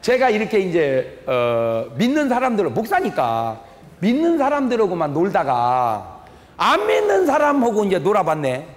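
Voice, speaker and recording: A man's voice: high-pitched, wildly swooping pitch, moderate pace. An older man preaching a humorous revival sermon as a pastor, telling folksy stories, quizzing the audience and acting out family quarrels. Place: large church hall. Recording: echoey hall with long reverb.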